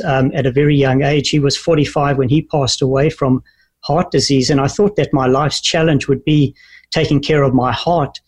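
A man in his fifties with a South African accent talks as a guest on a talk show. His voice is somewhat husky and sits a little high, and he speaks in an earnest, measured way, often restarting his sentences. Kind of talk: interview conversation.

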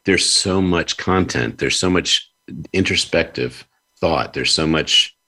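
A man's voice: low voice, slow, sharp tone. A man hosting a conversational interview, effusive and given to repeating his phrases. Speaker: host; publisher.

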